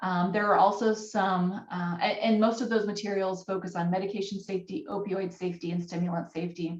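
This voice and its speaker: A woman with a medium-pitched voice speaks at a fairly quick pace with fairly even intonation. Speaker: presenter from state prescription monitoring program. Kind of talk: webinar presentation. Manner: fast; halting with many fillers.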